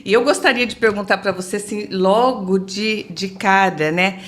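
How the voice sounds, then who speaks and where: Polite woman interviewer, mid-pitched. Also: moderate pace. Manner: polite, many tag questions. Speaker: podcast host. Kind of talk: interview questions.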